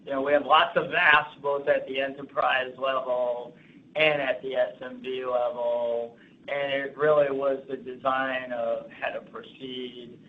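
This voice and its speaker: A man speaking as a company executive on an earnings call, giving halting business commentary with repeated and restarted phrases. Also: mid-range voice, flat delivery. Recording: thin phone-line sound.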